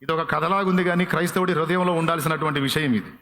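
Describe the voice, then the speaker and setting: A man preaching a revival sermon to a congregation, lively, with rhetorical questions. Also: on the high side, quick pace. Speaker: pastor. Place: large revival meeting hall. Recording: long hall reverb.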